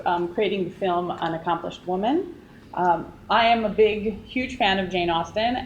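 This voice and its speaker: A woman who grew up in Israel, giving a prepared presentation with frequent ums and pauses. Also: mid-range voice. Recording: echoey room, faint noise.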